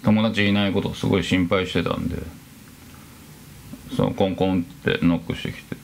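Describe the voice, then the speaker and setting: A man casually telling a personal ghost story, with relaxed chatty fillers. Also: low-pitched, a little fast, gravelly, slight background noise.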